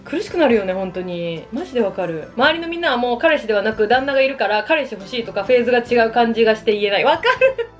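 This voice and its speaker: Female, 30s, quick and high-pitched, giggly confessional vlogger talking over a meal. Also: expressive, soft background music. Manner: self-deprecating, giggly, acts out imagined remarks. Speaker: solo vlogger. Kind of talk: casual confessional chat, reacting to relatable dating woes.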